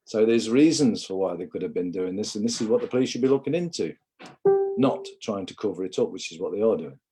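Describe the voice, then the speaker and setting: A man's voice: lowish voice, lively intonation, fast talker, dark tone, soft background music. A man from England giving a rambling, impassioned livestream monologue, often calling viewers "guys".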